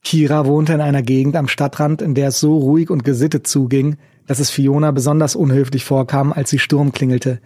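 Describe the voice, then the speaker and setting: Husky male audiobook narrator. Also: medium pitch, level tone, a little fast, few pauses, warm tone, no room sound, studio quality.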